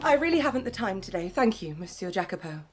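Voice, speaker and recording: An actress playing a proud, wronged baroness who speaks in a haughty, clipped way in a radio drama. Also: female voice, medium pitch, big pitch swings, quick pace, a crowd in the background, natural voice.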